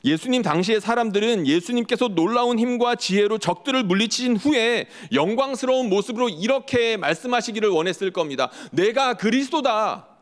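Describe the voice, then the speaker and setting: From the pulpit of a church sanctuary, a pastor with a fairly high voice preaches a Sunday sermon, driving his point home with rhetorical questions. He talks fairly quickly with hardly any pauses, and his voice rings out with a long reverberant tail.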